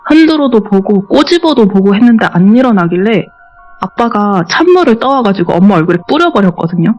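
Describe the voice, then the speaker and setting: A woman guest telling a true ghost story in soft, conversational speech on a horror radio interview. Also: medium pitch. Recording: dull, muffled radio recording with faint music underneath.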